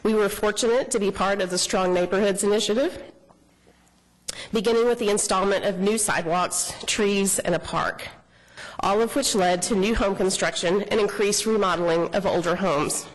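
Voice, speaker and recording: A man's voice: high voice, normal speed, low-quality recording. Man resident at council podium, reading formal remarks, voice a little quivery. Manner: earnest, formal, slightly shaky. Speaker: public commenter, neighborhood resident. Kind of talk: prepared public comment. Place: city council chamber.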